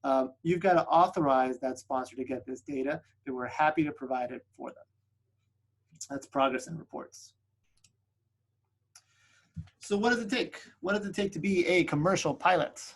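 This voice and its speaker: A man whose first language is Spanish, presenting a flight school on a video call webinar in an upbeat sales-pitch manner, often tagging "right?" onto his points. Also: moderate pace, long pauses, low-quality recording.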